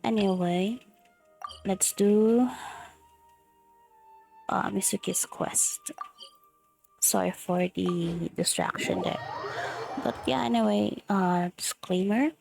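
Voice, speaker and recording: A young Filipino woman with a cold, husky, giggling and blunt as she comments on a game, mixing English and Tagalog. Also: medium pitch, takes it slowly, pauses often, a little mellow, low-quality recording. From Philippines. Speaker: game streamer. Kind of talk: casual gameplay commentary. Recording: game music under voice.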